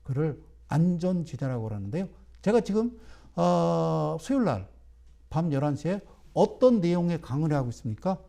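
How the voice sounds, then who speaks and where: A middle-aged man lectures on trading for a broadcast, pressing his points and throwing rhetorical questions at viewers. His voice sits a little high for a man yet sounds dark and mellow. His pitch swings widely from phrase to phrase. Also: big pitch swings, moderate pace, gravelly.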